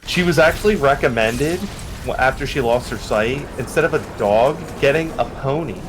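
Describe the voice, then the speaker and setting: A man's voice: medium pitch, moderate pace, over music, rough recording. A tired man from the northeastern United States, with an accent from there, chatting casually and rambling while gaming. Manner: rambling, restarts, animated storytelling. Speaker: gamer on a stream.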